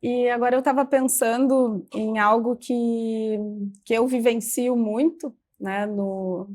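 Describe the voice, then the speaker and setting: Woman, talk show host, somewhat high voice, musing questions with tag words. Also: steady tone, takes it slowly, darkish tone. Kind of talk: conversational interview.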